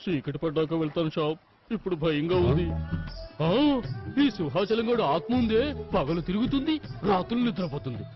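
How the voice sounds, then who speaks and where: A high-voiced superstitious jungle helper, jittery, dull film dub with loud music. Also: male voice, fairly quick. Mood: nervous. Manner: excitable, jittery.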